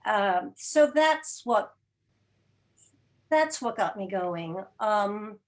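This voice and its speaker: A mature woman speaking reflectively as an interview guest on a video call, articulate, with thoughtful pauses mid-sentence. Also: medium pitch, animated. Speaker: interview guest, theater podcast producer. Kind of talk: reflective conversational talk. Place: indoor room, video call.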